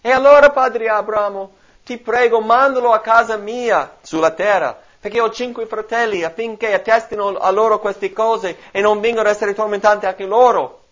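A man's voice: high-pitched, fairly even intonation, moderate pace, a bit bright, voice pushed up. A man voicing a tormented rich man who begs from the flames in a raised, urgent voice. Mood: pleading. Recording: dull lo-fi recording.

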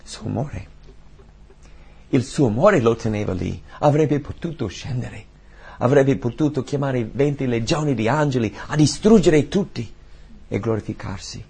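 Gravelly, husky man preaching a sermon. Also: mid-range voice, lively intonation, measured pace. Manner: emphatic, repeating key phrases, swinging between soft and loud.

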